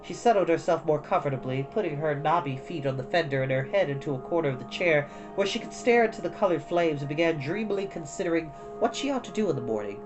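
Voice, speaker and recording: A man reading a storybook aloud as an expressive narrator. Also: fairly high pitch, fast talker, hardly any pauses, over music, rough recording. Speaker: storytime reader.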